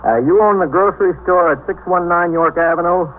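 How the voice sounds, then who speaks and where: Polite desk sergeant, voiced by an actor; slightly higher voice, thin old broadcast. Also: male voice, fairly quick, natural voice. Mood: businesslike. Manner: polite, businesslike on the phone. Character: brisk desk sergeant working the phones. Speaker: police sergeant. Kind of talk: 1950s radio drama acting. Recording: tinny old radio broadcast with faint hiss.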